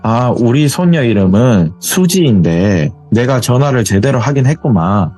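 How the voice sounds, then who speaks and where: A man voicing an elderly grandmother on the phone, speaking slowly in a formal, old-fashioned way. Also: medium pitch, very animated, a little mellow, faint music behind. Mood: polite, grave.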